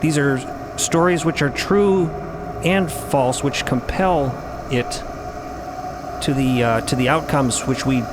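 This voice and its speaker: A man playing a solemn, commanding mystic of a ship, speaking in a formal, measured, didactic way in an audio drama. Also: lightly acted. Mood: lecturing. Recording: rumbling vehicle-like background noise.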